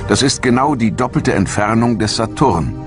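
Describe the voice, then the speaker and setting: A man giving calm, measured, scripted narration for a science documentary. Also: mid-range voice. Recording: studio narration over loud music.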